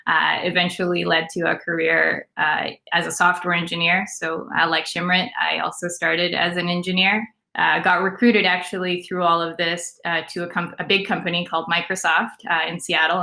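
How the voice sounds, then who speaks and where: Brief: woman in her 30s, Spanish first language, low bright voice, even delivery, conference panelist. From Venezuela. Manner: reflective, with many ums and uhs. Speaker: panelist, product lead.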